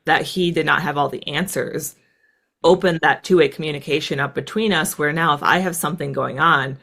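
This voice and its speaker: A woman in her thirties from the United States, a guest in an interview, telling stories in a quick, animated way with plenty of "like" fillers. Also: deep voice, gravelly. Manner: fast, animated, lots of "like" fillers. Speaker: guest, former fighter pilot. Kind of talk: casual storytelling interview.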